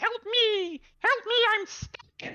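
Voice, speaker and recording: This is a put-on character voice at an extremely high pitch. The speaker is shouting. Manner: shouting, distressed.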